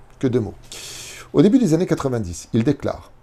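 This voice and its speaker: A man speaks at a fairly high pitch in a dark, mellow tone. His voice has vocal fry and very wide pitch swings. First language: Hebrew (speaking French). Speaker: rabbi. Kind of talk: reading aloud with commentary. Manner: halting.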